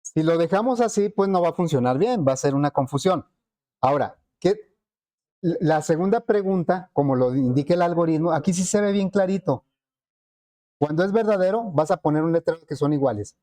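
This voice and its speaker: Hombre profesor de programación, voz cálida. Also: male voice, fairly high pitch, lively intonation, a little fast, mellow. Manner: explanatory, frequent rhetorical questions to students. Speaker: programming teacher. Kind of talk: classroom lecture.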